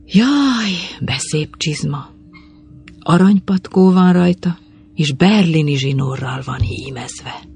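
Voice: mid-range voice, monotone, soft background music, lightly acted. A reader doing a freezing, feeble soldier. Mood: dreamy sighing. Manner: faint, trembling speech. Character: freezing mercenary soldier, man, weak and dreamy.

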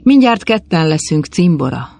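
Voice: medium pitch, sing-song, darkish tone. A reader playing a weary, remorseful mercenary. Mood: encouraging. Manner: hoarse, groaning delivery.

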